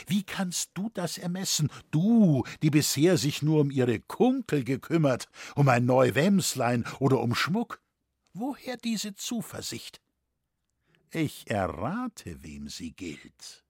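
A man's voice: mid-range voice, vocal fry, husky, no echo, clean studio sound, heavily acted. A man reading an audiobook, voicing an older, proud and scornful nobleman with harsh outbursts. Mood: suspicious. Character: old nobleman, grim proud furious chamberlain.

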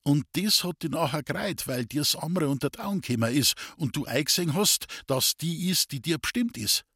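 A man voicing an earnest young male fisherman with a Bavarian accent, in a husky, pleading voice. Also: on the high side, expressive, brisk, bright, forceful tone, no room sound, clean studio sound, pitched above the performer's own voice, full character voice. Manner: earnest, pleading dialect speech.

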